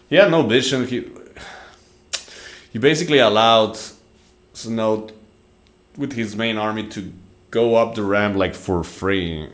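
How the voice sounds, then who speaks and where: A man's voice: fairly low pitch, slow pace, pauses often. Casual male streamer reacting, slangy. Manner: loose, slangy, fillers like "like" and "man". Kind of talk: casual chat.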